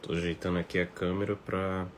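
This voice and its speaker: A man with a northeastern Brazilian accent and a fairly low voice chats to his livestream audience like an informal teacher. He often tacks on little tag questions. The phone recording carries some background noise. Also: little pitch movement, fairly quick. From Paraíba, northeastern Brazil. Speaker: teacher hosting a live online class. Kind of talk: informal livestream talk to viewers. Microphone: phone on a stand.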